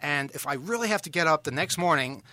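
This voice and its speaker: A man hosting a radio talk show, telling a long self-deprecating story in a halting, rambling way. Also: fairly high pitch, expressive, pushed and bright, dry recording. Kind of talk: casual on-air storytelling.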